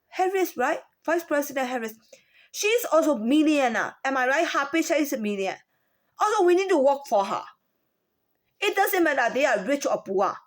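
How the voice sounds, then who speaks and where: A woman with a Chinese accent gives a halting personal account of a workplace complaint, often repeating words and asking rhetorical questions. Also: high-pitched. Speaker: former store employee.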